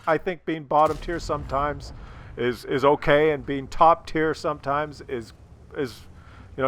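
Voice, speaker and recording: Man, bright forceful voice, crisp and smooth, blunt opinions, a cold wearing on his voice. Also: a little high. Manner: blunt and opinionated, swears freely. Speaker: gaming video creator. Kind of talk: casual commentary to viewers.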